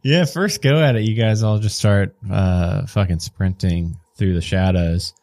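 A man's voice: sits low, unhurried, a little mellow. A man narrating as game master in a casual, loose way, often laughing with the players.

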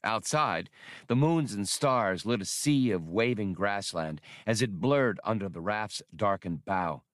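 Man, audiobook narrator, scripted adventure story, lowish pitch, dry studio-like sound. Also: lively intonation, measured pace, a bit bright, no room sound.

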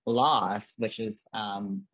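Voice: medium pitch, fairly even intonation, extremely slow, fairly bright tone, slightly rough, no echo. Guest, rambly w lots of "like", dry close sound. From Brazil. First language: Portuguese. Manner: rambling, many "like" fillers and restarts. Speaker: podcast guest, artist. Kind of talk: casual interview chat.

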